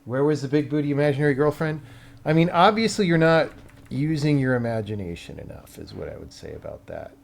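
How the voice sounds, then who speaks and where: A man's voice: mid-range voice, lively intonation, a little fast, gravelly. A man live streaming as he programs a game, thinking aloud casually in short fragments, blunt and sardonic, with casual swearing. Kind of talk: casual off-the-cuff coding commentary.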